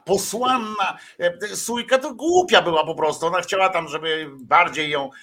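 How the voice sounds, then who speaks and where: A man's voice: sits high, normal speed, bright, forceful tone. A man giving casual, rambling live-stream commentary, with lots of hesitations and crude slangy asides.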